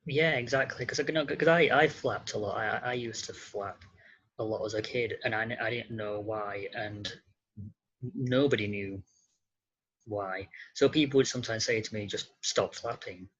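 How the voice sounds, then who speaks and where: Husky, low British young man, hesitant. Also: fairly bright tone, highs cut off. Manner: hesitant, halting with repeated starts. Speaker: interview guest. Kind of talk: casual conversational interview answers.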